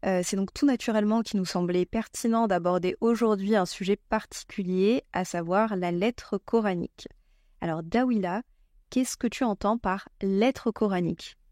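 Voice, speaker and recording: A woman hosting a podcast, asking her guest questions in a polite, measured way. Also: medium pitch, darkish tone, no echo, clean studio sound. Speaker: podcast host. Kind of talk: interview hosting.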